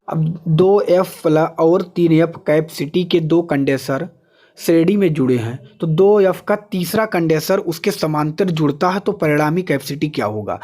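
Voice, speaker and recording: A man's voice: fairly high pitch, darkish tone. A man teaching a lesson step by step, in an instructional way, often asking questions and answering them himself. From India. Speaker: exam coaching teacher. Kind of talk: step-by-step maths and physics lesson.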